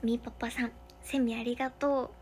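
A young woman, hosting a casual livestream from a hotel room and thanking viewers for their comments one by one, sometimes dropping to a soft whisper. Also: fairly high pitch, little pitch movement, quick pace, a little hiss or hum. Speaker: livestream host.

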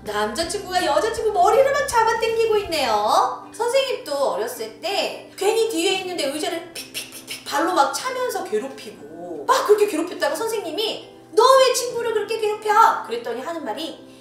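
A woman teacher with a high voice that leaps up and down as she talks to small children, acting out the voices she quotes. It sounds roomy and echoey, recorded from some distance, with soft music behind. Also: brisk. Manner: animated, acts out quoted voices. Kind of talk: lesson video for young children. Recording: echoey room from far off with music.

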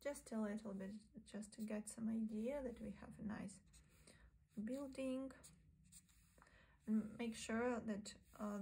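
Breathy, slow-talking woman sketching teacher. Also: medium pitch, poor audio. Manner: calm, often half-whispered narration while drawing. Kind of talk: soft-spoken drawing tutorial. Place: indoors at a desk, overhead camera on the sketchbook.

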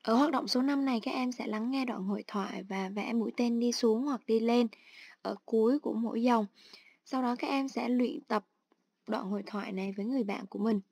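A woman teacher calmly explaining an online English exercise step by step. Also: a little high, fairly quick, gravelly, no room sound. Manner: steady instructional, explains each step. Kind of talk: online lesson narration.

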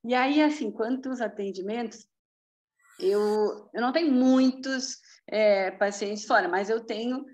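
A woman's voice: a little high, measured pace, a little mellow. Chatty woman. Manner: chatty, laughs often, frequent tag questions. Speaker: therapy practitioner giving a testimonial. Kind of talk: casual testimonial storytelling.

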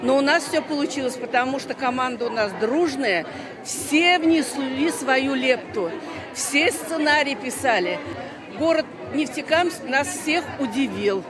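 High-voiced woman in her sixties, crowd behind. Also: animated, a little slow. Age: 60s. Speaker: amateur comedy team member. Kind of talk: on-the-spot interview. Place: theatre stage, handheld reporter mic. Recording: loud crowd chatter behind.

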